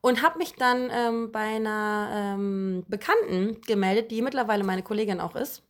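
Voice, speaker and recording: A young woman in her late twenties chats casually as a podcast co-host, sitting in an apartment living room. She rambles through her story with plenty of fillers and a giggly, relaxed manner. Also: mid-range voice, moderate pace. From Germany. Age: 20s. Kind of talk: casual chat.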